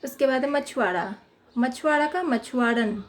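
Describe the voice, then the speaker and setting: A woman's voice: high-pitched, measured pace, slight background noise. A woman teacher explaining a children's workbook lesson, reading out questions and patiently dictating the answers.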